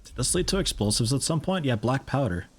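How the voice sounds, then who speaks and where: A man's voice: mid-range voice, lively intonation, fast, husky, soft background music. A young American man streaming a game, chatting casually in a rambling, self-interrupting, amused way, with a mixed accent that carries some European mannerisms. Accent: mixed American with picked-up European mannerisms. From United States. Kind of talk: casual live-stream chat while playing.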